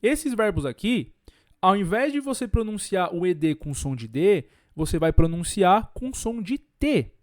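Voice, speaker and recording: A man from Brazil with a fairly high voice teaches English pronunciation to camera. He explains in a lively way and repeats example words slowly and clearly. The sound is dry and close, with no room echo.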